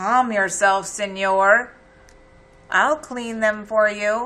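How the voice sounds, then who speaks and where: A woman speaks very slowly in a put-on character voice at a medium pitch, her intonation fairly even. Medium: read story. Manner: polite, dry.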